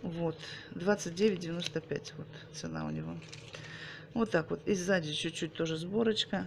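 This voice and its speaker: A woman's fairly low voice at a very slow pace, with long, frequent pauses, ordinary pitch variation and big swings in loudness, over noticeable background noise. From Russia. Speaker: vlogger. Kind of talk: casual vlog talk. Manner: chatty. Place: home room. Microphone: phone near.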